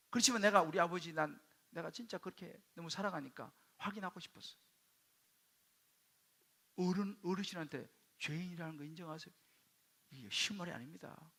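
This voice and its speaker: A male pastor telling a personal story in a sermon, dropping to hushed quoted asides and rising into sudden loud bursts. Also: high-pitched, creaky, slightly rough. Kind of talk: sermon testimony.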